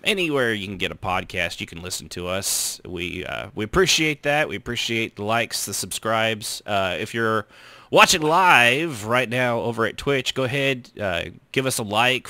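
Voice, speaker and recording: Male American podcast host, low-pitched and lively, dry close sound, jokey casual banter. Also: dry recording. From United States. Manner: joking, mock-insulting. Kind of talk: casual chat show banter.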